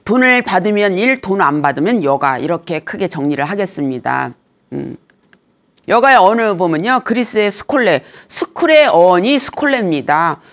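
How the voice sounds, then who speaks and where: A middle-aged woman giving a lecture on aging well, joking and telling lively stories. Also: on the low side, normal speed. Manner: humorous, lively storytelling with acted quotes. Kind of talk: senior lifestyle lecture.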